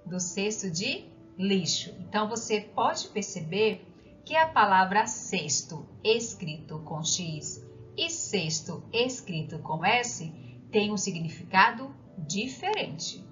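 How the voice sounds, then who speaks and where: A woman teacher giving a recorded lesson, speaking slowly and clearly and putting questions to the listener. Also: medium pitch, sing-song, fairly bright tone. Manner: slow, clear, didactic, asks the listener questions. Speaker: primary school teacher. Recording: dull lo-fi sound with faint background music.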